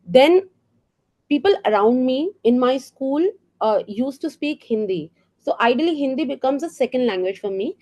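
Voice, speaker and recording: A middle-aged teacher trainer with an Indian English accent walks teachers through classroom ideas in a professional development talk, her slightly high voice dark in tone with lively intonation. She explains earnestly, poses rhetorical questions to check in, and fills pauses with small ums and uhs.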